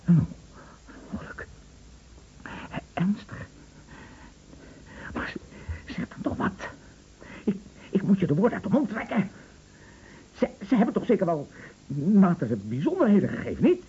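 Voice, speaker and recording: Husky, anxious bedridden man, swinging wildly. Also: high-pitched, sing-song, unhurried, long pauses, warm tone, full character voice. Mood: shocked, disbelieving. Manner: agitated, stammering, repeating words. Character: bedridden bookish man, anxious, dreading his woman's death. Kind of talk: Dutch radio play acting. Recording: muffled old radio play recording.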